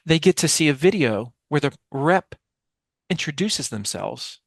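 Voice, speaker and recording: A man's voice: fairly high pitch, lively intonation, a little slow, gravelly, dry recording, studio quality. An American man in his forties giving an explanatory interview answer as a guest speaker, emphatic, using repetition and rhetorical questions, on a headset microphone. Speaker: podcast guest, author and business speaker. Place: small dim home office, video call.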